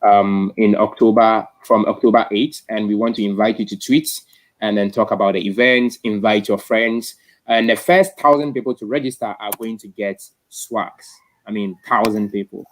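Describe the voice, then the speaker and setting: A man's voice: fairly low pitch, steady tone, normal speed, low-quality recording. A man hosting an online tech talk in an informal, effusive way, often repeating himself. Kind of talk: informal live-stream hosting.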